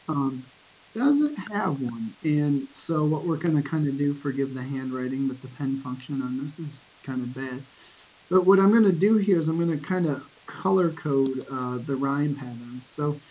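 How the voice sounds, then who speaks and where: A man of middling pitch explains poetry in a loose, conversational classroom manner, full of ums and self-corrections. He slows right down when reading lines of verse. A faint hiss sits under the recording. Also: low-quality recording. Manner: relaxed, many fillers and restarts, reads verse slowly. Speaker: teacher. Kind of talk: casual screen-recorded lesson.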